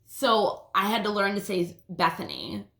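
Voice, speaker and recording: Woman vlogger with a lisp, gravelly fry, roomy echoey sound, casual and profane. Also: mid-range voice, sing-song, measured pace, fairly bright tone. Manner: casual, swears often, restarts sentences. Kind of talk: rambling personal storytelling. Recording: roomy echo.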